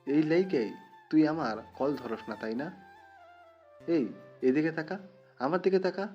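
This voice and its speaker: A man's voice: fairly high pitch, unhurried, darkish tone, natural voice. A man playing a violent, jealous young gangster lover who snarls threats. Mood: furious. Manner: menacing, snarling threats in rough street dialect. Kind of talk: audio drama acting. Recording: muffled audio with background music.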